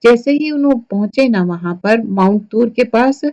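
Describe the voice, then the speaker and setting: A woman's voice: on the high side, lively intonation, a little mellow. A woman giving a conversational Quran commentary lesson, retelling the story and asking her listeners rhetorical questions. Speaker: Quran teacher for women.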